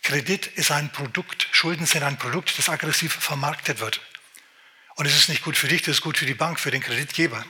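A male pastor preaching a sermon, lively and addressing the listener directly with questions. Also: fairly high pitch, fairly quick. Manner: lively, exclaiming, talks straight to the listener.

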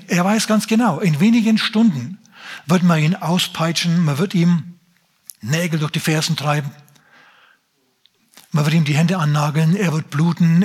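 A man preaching a sermon, talking emphatically with drawn-out phrases and addressing the congregation directly. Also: fairly high pitch, slightly rough. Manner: emphatic, drawn-out phrases, shouts in mock drill voice.

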